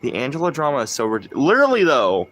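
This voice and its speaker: A young man live-streaming a game, chatting casually, swearing and getting excited. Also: slight background noise. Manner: profane, excitable, quick swings in pitch. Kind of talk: casual live-stream chat while gaming.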